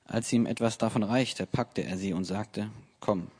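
A man reads a scripture passage aloud in a steady, measured way. His voice sits on the low side. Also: husky. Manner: steady, measured reading with small restarts. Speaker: Bible reader. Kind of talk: plain Bible reading.

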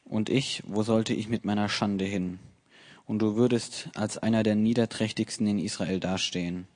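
An earnest, pleading young princess in a scripture reading, read out by a man in his own low voice. The reading stays calm and measured. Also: natural voice. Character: young princess pleading with her brother, female.

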